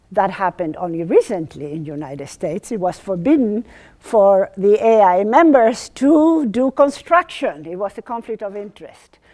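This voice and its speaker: With an Argentine accent, a woman at a medium pitch speaks in a dark, mellow tone at a moderate pace, with very wide pitch swings, big swings in loudness and hardly any pauses. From Argentina. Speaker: architect. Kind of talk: lecture.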